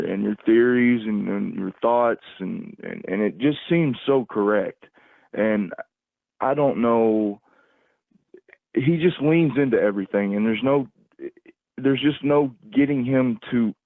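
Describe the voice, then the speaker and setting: A man calling in to a livestream over a phone, rambling casually in a halting, repetitive way as he searches for words. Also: mid-range voice, no echo. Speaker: call-in caller on a livestream. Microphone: phone call. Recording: tinny, narrow phone-call line, dry.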